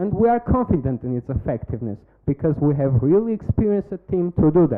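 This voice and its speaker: A man with an Armenian accent speaks at a very fast pace with lively intonation. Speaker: startup founder. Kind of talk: sales pitch; Q&A. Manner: halting.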